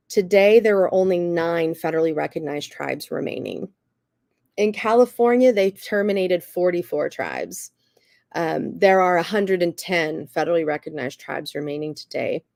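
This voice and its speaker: A woman with a slightly raspy voice and a cough, earnestly explaining things as a guest speaker, often saying "you know" and "um". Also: fairly low pitch, lively intonation, moderate pace, a little mellow, no room sound, clean studio sound. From Cherokee Nation. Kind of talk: explanatory talk.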